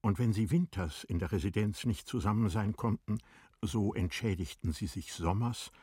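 Deep, husky male literary narrator. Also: dark tone, no room sound, studio quality. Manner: measured, composed storytelling. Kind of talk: literary radio drama narration.

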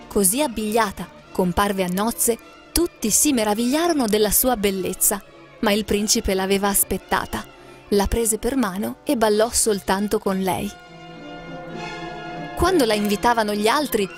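Expressive woman reading a fairy tale. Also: mid-range voice, normal speed, soft background music. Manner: lilting, expressive storybook reading. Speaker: storyteller. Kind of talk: scripted fairy-tale narration.

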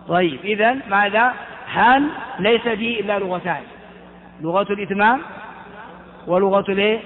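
A man teaching a grammar lesson slowly and deliberately, putting questions to his class and answering them himself. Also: sits high. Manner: slow and deliberate, repeating key terms. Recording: tinny phone-like audio in a reverberant hall.

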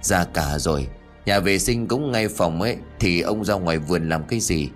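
A man voicing an exasperated elderly village wife who scolds her forgetful husband in rapid bursts of complaint. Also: sits low, soft background music, pitched below the performer's own voice, natural voice. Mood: reproachful. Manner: nagging, rapid-fire complaining.

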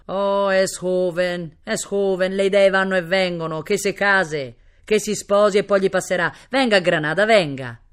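A woman's voice: medium pitch, steady tone, moderate pace, few pauses, clear, resonant tone, voice pushed up, close to an everyday voice. A woman voicing a jovial, generous Spanish prince in exile, insistent and mixing Spanish into the speech, in a storybook reading. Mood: genial, inviting.

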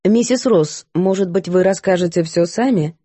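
A woman voicing a composed, firm governess who speaks calmly and evenly, a little lower. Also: breathy edge, no echo. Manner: calm, measured, composed. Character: calm, firm older English governess.

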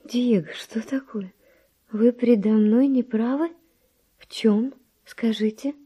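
An actress playing a virtuous young Spanish noble widow, with refined, breathy, emotional delivery in a verse radio drama. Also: female voice, a little high, takes it slowly, warm tone. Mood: insistent curiosity.

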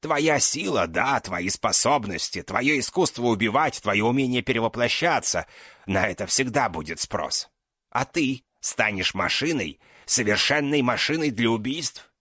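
A man's voice: mid-range voice, animated, a little slow, pushed and bright, husky, no echo, clean studio sound, pitched above the performer's own voice, exaggerated voice. A man voicing a desperate aging magister who pleads with his former pupil. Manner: pleading, rising to outbursts.

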